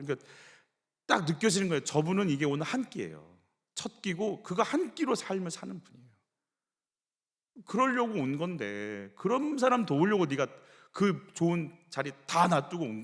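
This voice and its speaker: Male pastor, sermon delivery, lively and expressive, slightly higher voice. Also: normal speed, big-room sound. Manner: animated storytelling, acting out quoted voices. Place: church sanctuary.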